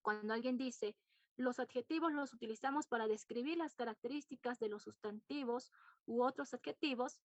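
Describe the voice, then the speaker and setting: A woman's voice: a little high, normal speed, no echo, dull audio. A woman teacher giving a lecture to her class, explaining points patiently, repeating them and putting questions to her students.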